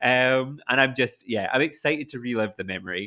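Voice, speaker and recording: In a very clean recording with a silent background, a man with a slight Scottish accent speaks at a fairly quick pace in a bright, sharp tone. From Scotland. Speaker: podcast host and zoo educator. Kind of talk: casual chat. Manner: conversational with many fillers.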